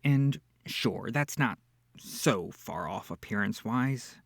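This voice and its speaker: A man plays a smug male incubus demon, seductive and theatrical, in an ASMR audio roleplay. His voice is gravelly and unhurried, teasing the listener from very close in a dry, echoless space. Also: lowish voice, animated, full character voice. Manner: theatrical, teasing, purring, breathy asides.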